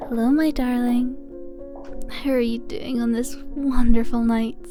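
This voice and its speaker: A woman playing a possessive, lovesick asylum inmate in an ASMR roleplay, cooing endearments with breathy sighs and a sweetly menacing edge. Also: a little high, fairly even intonation, takes it slowly, over music. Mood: teasing, doting, controlling. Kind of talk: ASMR roleplay, intimate scripted monologue.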